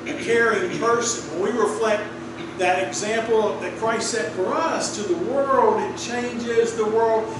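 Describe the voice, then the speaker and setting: A middle-aged male pastor with a high voice, preaching in an easy, storytelling way that draws replies from the pews. He is picked up from across a small wooden sanctuary, so the sound is very roomy and distant. A steady air-conditioner hum runs underneath. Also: measured pace. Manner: conversational storytelling preaching, asks the congregation for responses. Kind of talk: sermon. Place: small wood-paneled church sanctuary. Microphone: room mic from a distant camera. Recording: echoey room, distant mic, clear air-conditioner hum.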